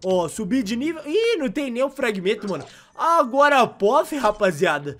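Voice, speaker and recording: A young man from Brazil with a Brazilian Portuguese accent, giving excited, exasperated gameplay commentary full of slang, his voice going hoarse. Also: very high voice, normal speed. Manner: exasperated, exclaims often, heavy slang. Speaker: gaming YouTuber.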